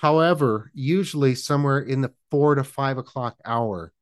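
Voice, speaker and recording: A man co-hosting a podcast, telling stories in a dry, deliberate way. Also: medium pitch, noisy background. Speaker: podcast co-host. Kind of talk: casual chat.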